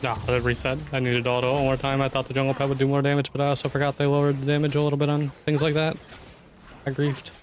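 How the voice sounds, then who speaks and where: A young man streaming a game and talking in a loose, offhand way, breaking off his own sentences as he plays. His voice sits at an average pitch and is turning a little hoarse, so he keeps clearing his throat. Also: monotone, fast talker, a little hiss or hum. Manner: chatty, offhand, swears, self-interrupting. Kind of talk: casual gameplay commentary.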